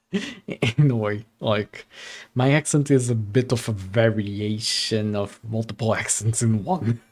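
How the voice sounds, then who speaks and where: A man's voice: fairly low pitch, slow. A young man from Portugal chatting on a livestream, rambling with fillers and reading text aloud at his desk mic. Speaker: streamer. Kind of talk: casual livestream chat and reading.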